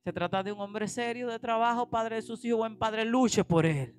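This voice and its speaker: A woman pastor preaching a sermon in an animated way, swinging between loud emphatic lines and quiet asides. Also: fairly high pitch, moderate pace. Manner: animated preaching, acting out quoted voices.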